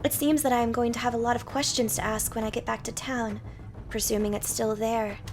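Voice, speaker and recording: A woman's voice: fairly high pitch, little pitch movement, fairly quick, soft background music. A woman hosting a let's play, introducing and narrating a story game. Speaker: gaming channel host.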